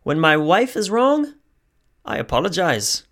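A man's voice: high-pitched, wildly swooping pitch, a little slow, pitched above the performer's own voice, exaggerated voice. Man putting on a kind old Irishman. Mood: wry. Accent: Irish (put on). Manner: gentle, folksy, wry.

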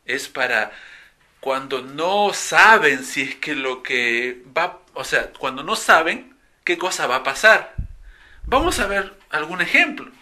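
Bright, playful man teaching English. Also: fairly high pitch, sing-song, takes it slowly. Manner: playful, theatrical, switches between Spanish and English. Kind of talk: video lesson explaining English grammar.

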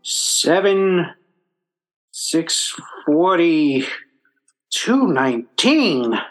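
A man's voice: fairly high pitch, very animated, very slow, soft background music, heavily acted, rough recording. A man acting a blustering, hapless working-class father in old-time radio comedy, stammering in folksy, ungrammatical talk. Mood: muttering, preoccupied.

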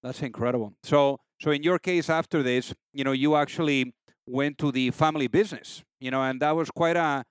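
A man's voice: mid-range voice, fairly quick, clean tone, dry recording. A man hosting an interview podcast, rambling a little with lots of fillers and restarts. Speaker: podcast host.

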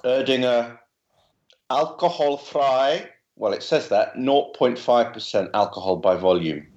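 Low-pitched man, posh British accent, well-spoken, wry, casual podcast chat, slightly dull lo-fi sound. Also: normal speed, darkish tone. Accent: posh southern English. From London, England. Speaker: podcast guest, writer and comic character creator. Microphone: remote video call.

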